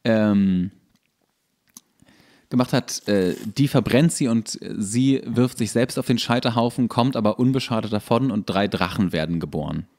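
A man co-hosting a podcast, casually recapping a story in a halting, stop-and-start way. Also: fairly low pitch, a little mellow. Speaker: podcast co-host.

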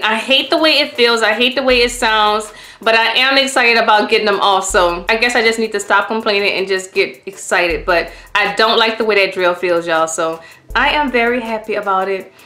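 A woman's voice: a little high, normal speed, bright, forceful tone, reverberant. Chatty woman talking with braces on. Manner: chatty, addresses viewers as y'all. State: speaking with braces on. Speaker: vlogger. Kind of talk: casual talk to camera.

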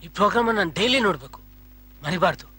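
A man's voice: sits high, animated, quick pace, sharp tone, slightly rough, soft background music, heavily acted. An actor playing a widowed father, talking with his mother and to himself in a film scene. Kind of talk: film acting.

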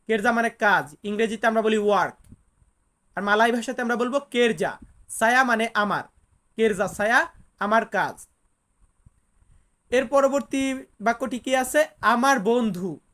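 A woman's voice: a little high, a bit bright. Patient woman teaching phrases. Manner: patient, repeats each phrase slowly to drill it. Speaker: language teacher. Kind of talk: online language lesson.

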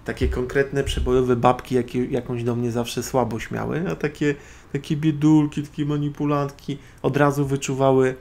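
A man with a gravelly, creaky voice at an ordinary middle pitch holds forth alone as a radio host. He lectures in a sardonic, opinionated tone, addressing his audience directly. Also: level tone, moderate pace, darkish tone. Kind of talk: solo spoken monologue.

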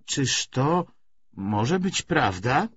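A man acts out an elderly village woman in an audiobook novel. She frets and laments in rustic speech, raised in pitch and slow, with a husky edge. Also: big pitch swings, fairly bright tone, dry recording, lo-fi sound, full character voice. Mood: anxious. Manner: rustic dialect, plaintive exclamations. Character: worried old village woman, lamenting over her son.

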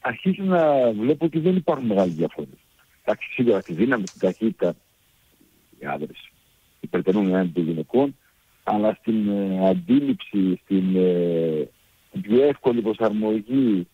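A man who coaches a women's football team, answering in a hesitant, measured way with many fillers. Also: lowish voice, animated, husky, dull audio.

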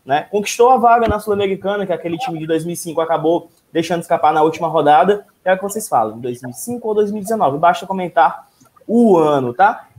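High-pitched man hosting sports talk. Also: darkish tone, slight background noise. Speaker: host. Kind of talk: casual live sports talk. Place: room at home, indoors. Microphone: wired earphone mic on video call.

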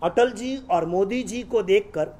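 A man preaches a sermon in a strikingly high voice. He moves between wry jokes and recited verses and poetry, in the manner of a Jain preacher. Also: measured pace, darkish tone.

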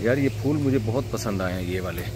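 A man's voice: on the low side, quick pace. A man from Pakistan giving casual, amused travel-vlog commentary outdoors at a railway station, chatting and thinking aloud as he walks. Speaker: vlogger. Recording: heavy outdoor background noise.

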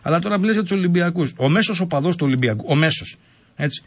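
A man with a somewhat high, husky voice holds forth on a radio sports show. He talks in a measured, analytical way with a wry edge. The sound is a radio broadcast. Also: expressive.

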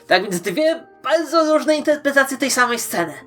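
A woman hosting online fan commentary, playful and emphatic, with dramatic pauses. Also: high-pitched, lively intonation, a bit bright, soft background music. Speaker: YouTube host. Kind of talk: scripted fan-theory commentary to viewers.

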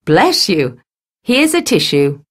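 A woman acting a calm school nurse in a scripted coursebook dialogue, speaking in a soothing, reassuring way. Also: on the low side, slow pace, slightly rough, full character voice.

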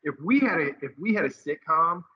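A man's voice: a little high, lively intonation, a little fast, bright, forceful tone. A man, a race engineer, chatting casually in an interview in an upbeat, earnest way. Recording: dull lo-fi sound.

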